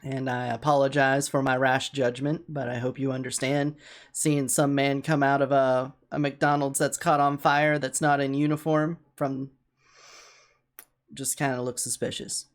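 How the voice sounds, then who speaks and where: Tabletop game cop, played by a man: gruff, world-weary, suspicious, blunt and commanding. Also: mid-range voice, level tone, measured pace, close to an everyday voice. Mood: grudgingly apologetic. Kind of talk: tabletop role-play in character.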